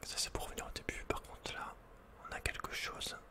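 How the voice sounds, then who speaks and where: A man whispering in a soft, breathy, unvoiced voice as he gives casual ASMR commentary on a video game, with slangy asides. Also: fairly quick. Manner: casual, murmured running reactions with slangy asides. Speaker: ASMR gaming video host.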